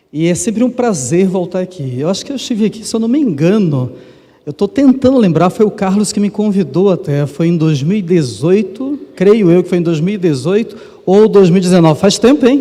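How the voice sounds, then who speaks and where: Noticeable noise sits behind a man's voice. He speaks at a high pitch with lively intonation. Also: moderate pace. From Manaus, Amazonas, northern Brazil. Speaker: pastor. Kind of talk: sermon. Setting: church.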